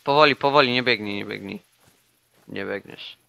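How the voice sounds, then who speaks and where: Bright, crisp-voiced young gamer man. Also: fairly low pitch, normal speed, dry recording. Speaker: gaming YouTuber. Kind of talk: casual co-op gameplay chat.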